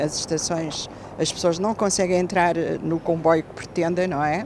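Music plays in the background of a dry recording with no echo. The speech moves at a moderate pace with fairly even intonation. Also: woman. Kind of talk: interview answer. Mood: critical, complaining. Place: street. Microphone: handheld.

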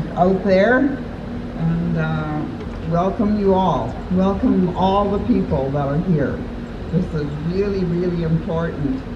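A woman talks very slowly while noticeable background noise carries on. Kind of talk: public address at an event. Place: stadium. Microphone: camera far.

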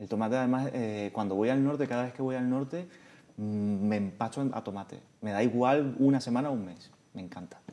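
A man's fairly quick speech shows ordinary pitch variation. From Venezuela. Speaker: theatre director and actor; actor. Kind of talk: interview. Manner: halting. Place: studio. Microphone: lapel.

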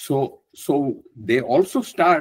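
A man's lively intonation over a quiet background. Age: 80s+. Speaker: conference panelist. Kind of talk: panel discussion.

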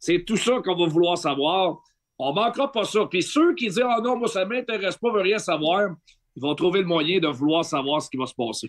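A man with a Quebec accent, high-pitched and lively in intonation, at a fairly quick pace over a quiet background. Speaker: hockey play-by-play commentator. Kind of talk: casual chat. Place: office. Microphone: video call.

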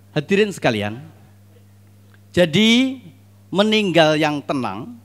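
Speech comes at a very slow pace, its pitch swinging very widely. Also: man. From East Java, Kediri; East Java. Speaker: Buddhist monk. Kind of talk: commemorative speech. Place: hall. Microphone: handheld.

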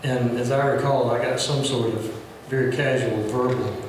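Strong room echo surrounds a man speaking at a fairly slow pace. His intonation is monotone and flat, with light background noise. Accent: American. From North Carolina, US South. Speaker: local historian and record collector. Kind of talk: panel discussion. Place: meeting room.

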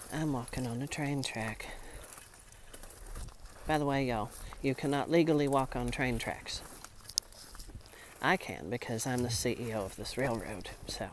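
Recorded dry with no echo over light background noise, a man speaks with ordinary pitch variation and long, frequent pauses. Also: moderate pace. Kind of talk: casual vlog chat. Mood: playful, joking. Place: open country. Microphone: phone near.

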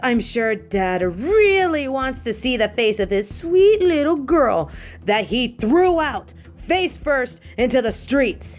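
A woman shouts at a high pitch with very wide pitch swings, at a fairly slow pace. Clear music plays in the background. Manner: angry, shouting, threatening.

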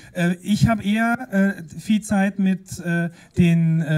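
In a dark, mellow tone, a man speaks with ordinary pitch variation. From Austria, Styrian Alps. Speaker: harbour boat company boss. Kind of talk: talk show interview. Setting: live talk show, outdoors by the club.

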